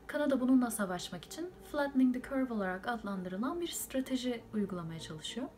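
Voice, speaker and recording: A woman's voice: a little high, darkish tone, slight background noise. A young woman from Turkey giving an informative update, explaining point by point with hesitations. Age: young adult. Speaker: student living abroad.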